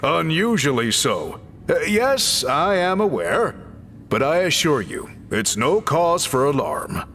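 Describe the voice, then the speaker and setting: Genial, animated towering tribal chief. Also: male voice, on the high side, slow pace, long reverb tail, slight background noise, heavily acted. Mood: welcoming, awkward. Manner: formal, courteous, hesitant asides. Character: very tall, genial, slightly awkward tribal chief. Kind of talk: video game voice acting, explaining lore.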